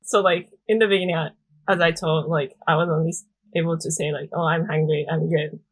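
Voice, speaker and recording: A woman's voice: deep voice, fairly even intonation, fairly quick, breathy edge, poor audio. A young Japanese woman with a Japanese accent, chatting as a guest on a podcast, filling her speech with "like.". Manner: chatty, frequent "like" fillers, soft laughs. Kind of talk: casual podcast interview.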